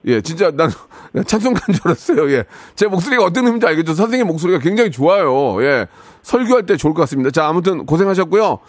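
A male radio host running a call-in segment, teasing callers with quick deadpan verdicts. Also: a little high, no echo. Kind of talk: lively radio call-in banter. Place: radio studio. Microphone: studio microphone.

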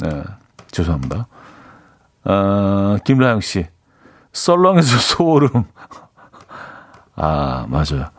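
A man's voice: low-pitched, very animated, slow pace, pauses often, no room sound. A man hosting a radio show in a casual, chatty way, laughing at his own jokes and reading out listener messages in a studio. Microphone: studio microphone.

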